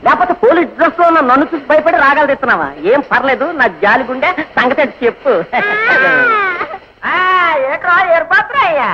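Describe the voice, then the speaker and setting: An actor playing a chatty village police constable who banters and teases in a rustic dialect, on an old film soundtrack. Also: male voice, very high-pitched, expressive, fairly quick, highs cut off, noisy background. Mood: teasing. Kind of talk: comic film acting.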